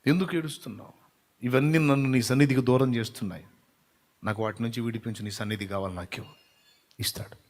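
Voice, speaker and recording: A man's voice: medium pitch, fairly even intonation, fast, pauses often, darkish tone, long reverb tail. A male pastor giving a short devotional message, talking in a pleading, fervent prayer addressed to God. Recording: voice over Carnatic music with tabla.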